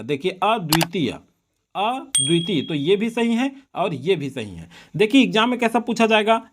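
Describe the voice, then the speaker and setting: A male teacher giving an exam-prep lesson on correct spelling, slowly repeating words to drill them. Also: high-pitched.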